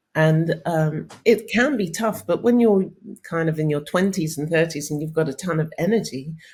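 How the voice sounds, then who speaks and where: A somewhat breathy woman with a British accent speaks with ordinary pitch variation. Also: fairly low pitch for a woman, moderate pace. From England. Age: 50s. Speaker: coach and hypnotherapist. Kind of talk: interview conversation. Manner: serious; some stammering.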